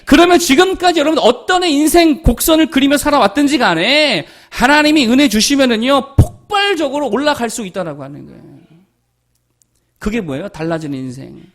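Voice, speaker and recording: A male pastor delivering a sermon with a notably high voice that swings widely in pitch. He preaches emphatically, firing rhetorical questions at the congregation and answering them himself. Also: expressive, fairly quick, fairly bright tone.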